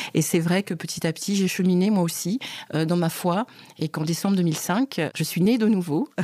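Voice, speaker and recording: A woman speaks at a moderate pace with a fairly low pitch and ordinary pitch variation. Her tone is dark and mellow, in a dry, close sound with no echo. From Cameroon. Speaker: church leader and HR director. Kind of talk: testimony. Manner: hesitant.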